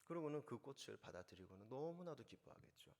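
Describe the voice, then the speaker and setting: Korean pastor preaching with lively pitch. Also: male voice, gravelly, in a large hall. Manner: storytelling, slows down for quotes. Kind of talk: sermon.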